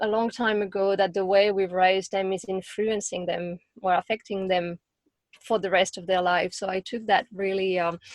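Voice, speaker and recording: A woman's medium-pitched voice in a French accent, monotone and flat, dry and close with no echo. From France. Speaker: parenting coach. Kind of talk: interview. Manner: slow-paced.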